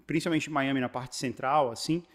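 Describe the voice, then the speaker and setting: A man from Brazil with a Brazilian Portuguese accent, telling stories in casual chat, animated and full of restarts. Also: medium pitch, a little fast. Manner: animated storyteller, many restarts and fillers.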